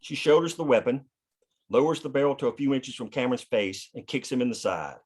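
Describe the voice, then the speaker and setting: A man's voice: mid-range voice, a little fast, a little mellow, slightly rough. Man reading screenplay stage directions. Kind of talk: scripted narration at a screenplay table read.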